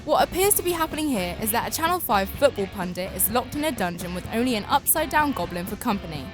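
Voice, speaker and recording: A woman's voice: fairly high pitch, big pitch swings, quick pace. A British woman delivering comic scripted commentary in a sardonic, incredulous manner. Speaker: video narrator. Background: music.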